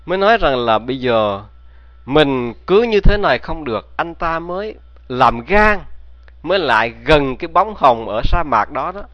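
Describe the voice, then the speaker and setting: Male storyteller, folk tale, quizzes the audience, fairly high voice, dry muffled sound. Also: sing-song, normal speed, dry recording. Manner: addresses listeners with rhetorical questions.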